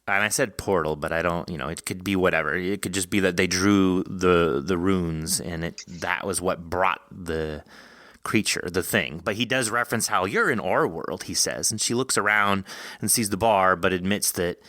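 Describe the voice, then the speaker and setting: Male interviewer, forward bright tone, close dry sound, enthusiastic, casual discussion style. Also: deep voice, moderate pace, dry recording. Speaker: podcast host interviewing an author. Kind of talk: casual discussion of a horror story.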